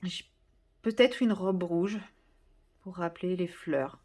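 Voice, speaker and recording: A woman's voice: on the low side, slow pace, darkish tone. A woman chatting casually to viewers while she colours, rambling and correcting herself as she goes. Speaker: vlogger.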